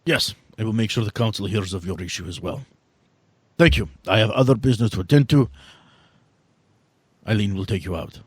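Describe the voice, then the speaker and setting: A man playing a proud, formal vampire official who is weary of bureaucracy and speaks in measured phrases. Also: lowish voice, slightly rough, dry recording. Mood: businesslike.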